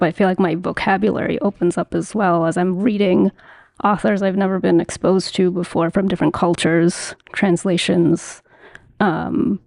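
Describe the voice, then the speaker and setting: A woman's voice: on the low side, creaky, a little mellow, no room sound, clean studio sound. A young adult woman talking casually and reflectively, feeling her way toward words a little hesitantly. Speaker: poet guest.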